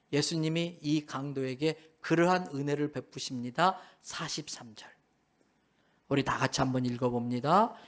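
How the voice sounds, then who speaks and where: High-voiced preaching man. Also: a bit bright. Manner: emphatic preaching, acts out voices of people in his stories. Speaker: pastor. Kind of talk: sermon.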